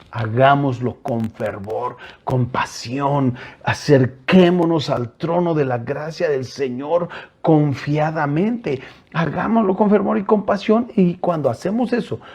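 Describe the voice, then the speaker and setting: A man's voice: medium pitch, darkish tone, breathy edge. A male pastor with a Mexican Spanish accent, preaching an earnest sermon that keeps addressing his listeners directly, with hesitant fillers between points.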